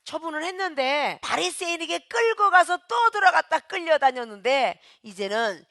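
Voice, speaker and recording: A woman pastor preaching a sermon with emphasis, swinging between shouts and hushed, quiet lines and calling out to the congregation. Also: extremely high pitch, animated, moderate pace, no room sound, studio quality.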